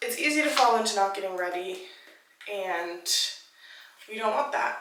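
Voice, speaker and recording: Lively intonation from a woman pitched fairly high, set in audible room echo. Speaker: lifestyle vlogger. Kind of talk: vlog narration. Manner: casual, many fillers.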